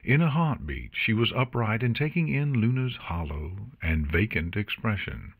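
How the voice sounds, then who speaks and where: A man reading fantasy fiction as an audiobook narrator in an expressive, scripted storytelling style. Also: on the low side, normal speed, husky.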